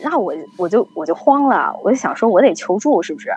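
A woman telling a story in casual chat, lively and acting out the people she quotes. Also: mid-range voice, fast, breathy edge, soft background music. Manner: animated storytelling, acts out quoted voices. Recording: dull lo-fi recording.

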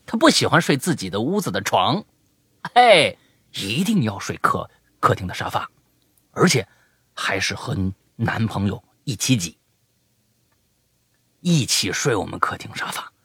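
A young adult man hosts a podcast, relaying listener stories in relaxed, animated chat and slipping into a whisper for suspense. His fairly low, husky voice is unhurried with long pauses, recorded dry at studio quality.

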